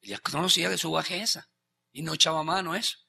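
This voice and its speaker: A man pastor, preaching a sermon with animated bursts of shouting and quiet asides. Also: on the high side, fast talker, vocal fry, slight background noise.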